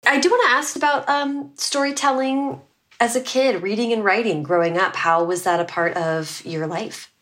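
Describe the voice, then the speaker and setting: A woman's voice: a little high, moderate pace, fairly bright tone. A woman hosting a podcast interview, asking questions enthusiastically and backing up her guest with frequent mm-hmms. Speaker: podcast host. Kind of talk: casual interview conversation.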